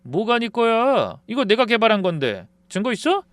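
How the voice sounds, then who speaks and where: A man's voice: huge pitch swings, a little slow, a bit bright, dry recording, exaggerated voice. A man voicing a brazen, taunting middle-aged male friend who stole a recipe. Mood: smug. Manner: brazen, taunting, shrill when cornered.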